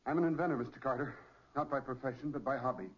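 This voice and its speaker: An actor playing a desperate, doomed amateur inventor in 1940s radio style, grave and urgent. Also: male voice, medium pitch, fast, husky, lightly acted. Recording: muffled, dull 1940s radio recording.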